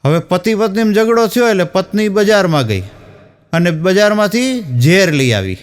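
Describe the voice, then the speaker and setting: A man's voice: sits high, animated, normal speed, smooth. A man telling a string of jokes on stage, acting out the lines of each character as he goes. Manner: storytelling, acting out dialogue. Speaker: stand-up comedian. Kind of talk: telling jokes to a live audience.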